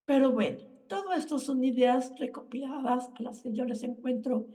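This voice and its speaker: A woman's voice: high voice, normal speed, warm tone, recorded from a distance. A woman giving an earnest, lecturing spiritual talk as a radio host.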